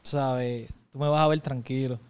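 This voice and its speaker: A man, a Christian music artist chatting as a guest and telling stories in a relaxed, slangy way. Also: mid-range voice, unhurried, clear, resonant tone. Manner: relaxed, slangy storytelling with "bro" and "papi". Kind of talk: casual chat.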